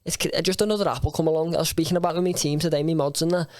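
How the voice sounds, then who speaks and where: A young man with a thick Scouse accent and a fairly high voice chats as a streamer on a podcast. He is slangy and emphatic, swears freely, and the sound is close and dry. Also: fairly even intonation, rapid-fire, darkish tone, no room sound. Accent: Scouse, from Liverpool. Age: young adult. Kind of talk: casual podcast chat.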